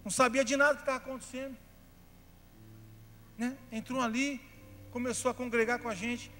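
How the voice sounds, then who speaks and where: A Brazilian man, a pastor, preaching a sermon, telling stories in a chatty way that builds to fervent shouting. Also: extremely high pitch, level tone, moderate pace. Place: church hall. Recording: reverberant church hall, faint music behind.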